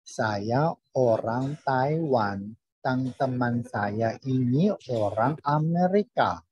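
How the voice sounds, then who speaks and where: A man learning a language, carefully and haltingly reciting drill sentences over an online call. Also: medium pitch, animated, darkish tone, slightly rough. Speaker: language student. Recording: dull, roomy online call recording.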